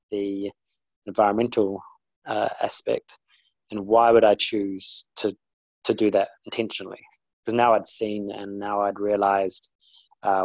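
A man hosting a podcast as a plant-based coach, talking in an earnest, relaxed way. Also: on the low side, gravelly, no echo. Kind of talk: podcast interview. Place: London. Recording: muffled lo-fi audio.

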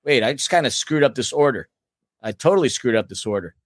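A man's voice: mid-range voice, lively intonation, fast, no echo, studio quality. A man co-hosting a casual sports podcast, chatty and laughing often, sometimes stumbling over names. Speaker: podcast co-host.

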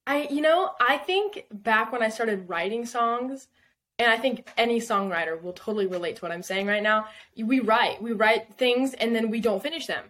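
A woman's voice: fairly high pitch, moderate pace, fairly bright tone. Young woman guest, chatty and loose, many fillers, laughs easily. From Southern California. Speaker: guest singer-songwriter. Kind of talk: casual podcast interview.

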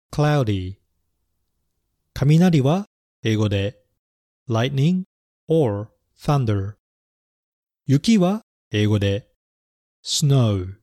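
A man reading a children's story and teaching English words, speaking clearly and carefully and spelling words out letter by letter. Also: mid-range voice, a little mellow, no room sound, studio quality. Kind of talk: bilingual children's lesson narration.

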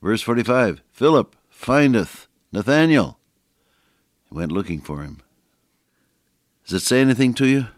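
A male radio Bible teacher with a slightly gravelly voice, reading scripture aloud with rising emphasis and folksy asides. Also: mid-range voice, lively intonation, unhurried, pauses often, no room sound, studio quality.

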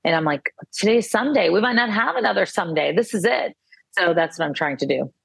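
Husky woman in her 50s, talks earnest and reflective, lots of restarts, dry close sound. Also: on the low side, lively intonation, brisk, no room sound. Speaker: guest. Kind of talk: casual conversation.

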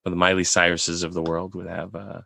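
A man with a raspy voice, hosting a casual podcast chat and rambling with many restarts. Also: deep voice, monotone, fairly quick, pushed and bright, dry recording, clean studio sound.

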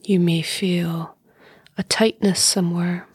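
Slow, breathy woman guiding a meditation. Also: on the low side, dry recording. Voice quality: soft, breathy, often near whisper. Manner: calm, soothing, unhurried with long pauses. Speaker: meditation teacher. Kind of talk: guided meditation.

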